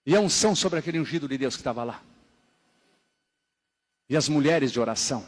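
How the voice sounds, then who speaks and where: A man giving a dramatic religious testimony at a church service, telling his story emphatically and moving between loud exclamations and hushed narration. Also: mid-range voice, animated, a little fast. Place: church hall. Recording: echoey hall reverb.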